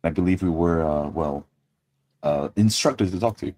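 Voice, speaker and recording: Man playing a very deep-voiced courteous knight. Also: normal speed, warm tone, no room sound. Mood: formal, hesitant. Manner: formal, hesitant, polite. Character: courteous, self-important male knight adventurer.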